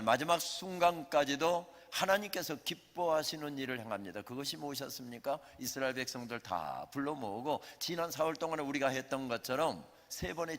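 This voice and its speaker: A man's voice: a little high, sharp tone. A male pastor delivering a sermon, telling the story conversationally and addressing the congregation with questions. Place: church sanctuary. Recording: reverberant church sanctuary.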